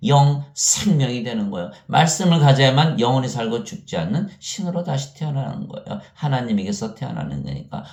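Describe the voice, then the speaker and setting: Male preacher, sermon delivery with rhetorical question-and-answer, animated pitch, reverberant room. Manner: asks the listeners questions and answers them himself; quotes scripture in an elevated tone. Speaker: pastor.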